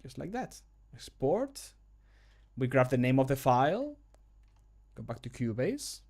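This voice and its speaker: A man's voice: mid-range voice, big pitch swings, unhurried, vocal fry, darkish tone. A middle-aged man chatting casually and self-deprecatingly as he streams from a small room at home, close on the microphone. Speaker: streamer recording voice lines for a game mod. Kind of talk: casual livestream commentary.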